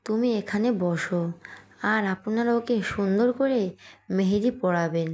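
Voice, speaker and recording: Bossy middle-aged mom, woman reading her, stern voice, plain pitch. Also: unhurried, darkish tone, close to an everyday voice. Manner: stern, commanding. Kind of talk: audio story reading.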